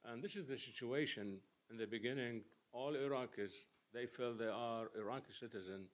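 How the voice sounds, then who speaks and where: Man from Iraq, audience member, earnest, emphatic, mid pitch. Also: normal speed. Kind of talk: audience comment and question.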